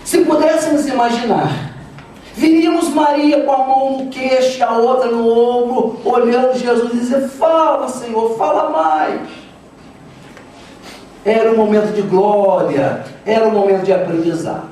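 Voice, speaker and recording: A man's voice: very high-pitched, moderate pace. Man lecturing in a very echoey hall. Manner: lively storytelling, acting out scenes with humor. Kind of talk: spiritist public lecture. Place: spiritist center hall. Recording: very echoey hall, distant mic, faint noise.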